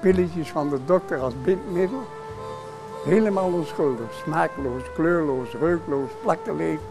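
Over clear music in the background, a man talks at a very slow pace in a fairly high pitch with very wide pitch swings. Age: 80s+. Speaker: cigar maker. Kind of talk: interview and workplace demonstration.

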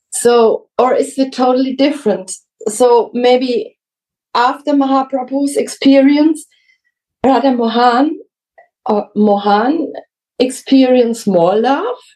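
A woman speaks at a very slow pace with a German accent, her pitch high and her loudness very even. Long, frequent pauses break up the speech against a quiet background. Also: ordinary pitch variation. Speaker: devotee, study group participant. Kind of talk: personal sharing and question. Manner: hesitant with fillers. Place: home room. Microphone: video call.

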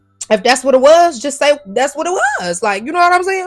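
A woman speaks with faint music in the background. The sound is dry, with no echo. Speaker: reality show commentator. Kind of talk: casual vlog chat. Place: home room. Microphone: lapel.

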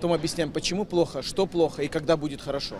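Speaking very fast at a fairly high pitch, a man keeps his intonation fairly even, in a dry sound with no echo and noticeable background noise. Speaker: member of parliament. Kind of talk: interview. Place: street. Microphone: handheld.

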